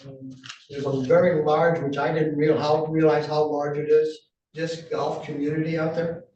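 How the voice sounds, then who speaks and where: A man with a New England accent speaking at a public meeting as a board member, halting, with many restarts and fillers. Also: fairly high pitch, level tone, warm tone. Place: county meeting room. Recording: roomy, distant, dull sound with faint noise.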